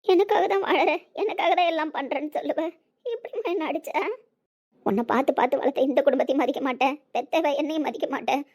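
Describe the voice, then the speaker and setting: A woman playing an anguished middle-aged mother in a family web drama, swinging between pleading and scolding. Her voice sits a little high and the words pour out fast. The delivery is emotional and pressing. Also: a little mellow, slightly rough. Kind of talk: Tamil web-series acting.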